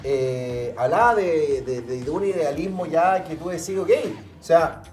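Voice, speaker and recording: A man's voice: on the high side, measured pace, darkish tone, echoey room, soft background music. A young adult man with a Chilean accent hosting a casual, colloquial political interview, emphatic, with rhetorical questions and acted-out quotes. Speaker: interview host.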